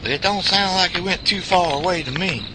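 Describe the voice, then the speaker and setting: A high, twangy Southern country man played by a man in an audio drama. He is sarcastic and quick-tempered, always griping at his partner. Clear outdoor noise runs behind him. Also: close to an everyday voice. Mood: sarcastic, complaining. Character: hot-headed, sarcastic rural Southern good ol' boy.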